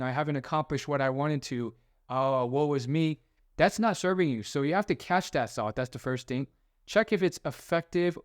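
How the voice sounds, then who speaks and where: A man's voice: a little high, clear, resonant tone, no echo. Young man, self-help host, casual rambling talk, lots of fillers, dry close recording. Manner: rambling, many fillers and restarts. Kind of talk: casual motivational monologue.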